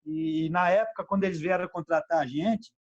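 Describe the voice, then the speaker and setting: Over a muffled, dead-sounding video call, a middle-aged man with a Brazilian Portuguese accent and a fairly high voice chats as a former footballer being interviewed. He stumbles and repeats words as he goes, and tags his remarks with "né?". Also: fairly quick, no echo. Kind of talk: casual interview chat. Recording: dull, dry lo-fi sound.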